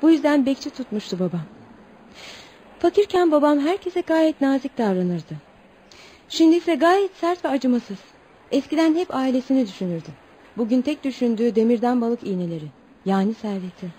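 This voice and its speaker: A woman's voice: high voice, animated, moderate pace, mellow, husky. An actress playing a wistful young tribal woman, a rich man's daughter, speaking earnestly and formally in radio theatre.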